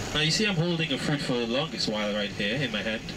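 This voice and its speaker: Loud background noise fills the clip. Over it, a man talks fairly quickly. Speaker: bus driver or tour guide. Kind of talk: casual tour commentary. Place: bus.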